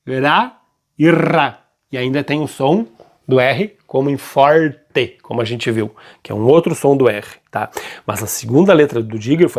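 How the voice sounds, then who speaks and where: A man teaching a grammar lesson, keeps checking in with his students and slows down to stress key points. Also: medium pitch, darkish tone. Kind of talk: classroom-style grammar lesson.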